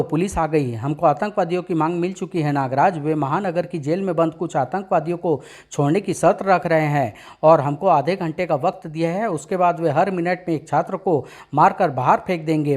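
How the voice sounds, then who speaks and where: A man's voice: a little high, a little mellow, lightly acted. A man voicing an anxious male official in a comic story, reporting a hostage crisis urgently.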